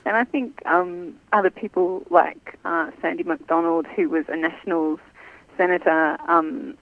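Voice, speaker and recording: Woman, journalist guest, gravelly voice, tinny phone line, chatty. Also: on the low side, steady tone, a little slow, no echo. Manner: chatty, thoughtful, with fillers. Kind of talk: phone interview.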